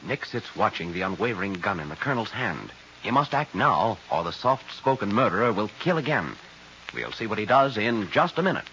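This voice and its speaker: A man's voice: lowish voice, sing-song, brisk. A man narrating a crime serial as the announcer, in dramatic 1940s radio style. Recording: muffled old radio recording. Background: organ music.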